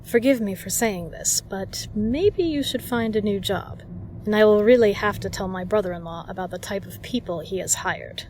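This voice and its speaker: A woman's voice: medium pitch, moderate pace, darkish tone, slight background noise, lightly acted, poor audio. A woman playing a kind, protective, flirtatious bar regular in an audio roleplay, speaking earnestly and reassuringly to the listener. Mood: frank, reassuring.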